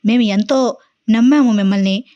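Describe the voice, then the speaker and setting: A woman's voice: a little high, normal speed, warm tone, lo-fi sound, natural voice. A woman voicing a stern male business client who speaks in a serious, accusing way.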